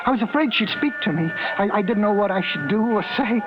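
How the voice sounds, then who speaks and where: A man's voice: high voice, lively intonation, fast. A man playing a timid, fussy store clerk who narrates a 1950s radio drama, hesitant and stammering. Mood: fretful. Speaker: lead actor and narrator. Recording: tinny old radio broadcast with music.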